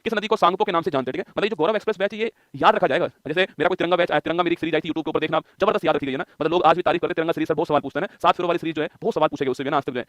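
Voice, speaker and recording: Rapid-fire male exam coach. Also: on the high side, fairly bright tone, dry recording. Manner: rapid, repetitive quizzing of the viewers. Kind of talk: online exam-prep lesson.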